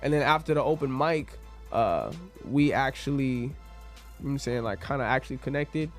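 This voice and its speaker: A man's voice: medium pitch, normal speed, soft background music. A young man chatting as a guest, retelling events by quoting himself and laughing often. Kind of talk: casual interview chat.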